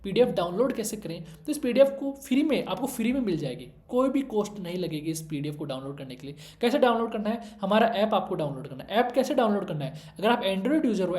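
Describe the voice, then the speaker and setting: A man's voice: high-pitched, darkish tone, reverberant. A man tutoring students for medical exams in a screen-share revision lecture, emphatic and repeating his key instructions while checking in often.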